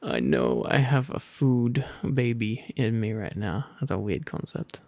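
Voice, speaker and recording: Sleepy gravelly British RP man. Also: fairly low pitch, very animated, unhurried, no room sound. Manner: drowsy, soft and playful, with gentle whispers. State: sleepy and overfull. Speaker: ASMR roleplay boyfriend. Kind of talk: soft ASMR storybook reading and pillow talk.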